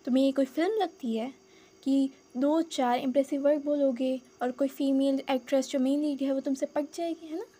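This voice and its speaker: A woman's voice: high voice, steady tone, moderate pace, mellow, lightly acted. Woman voicing a flustered, stubborn young man. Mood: exasperated. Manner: protesting, exasperated retorts.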